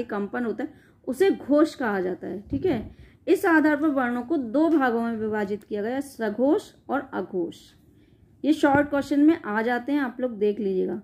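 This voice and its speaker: A woman teacher with a somewhat high voice works through exam-prep grammar notes. She reads each definition aloud, then restates it informally for her students. She catches and corrects her own slips as she goes. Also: darkish tone. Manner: reads out definitions, then re-explains them in loose spoken asides; frequent self-corrections and "sorry".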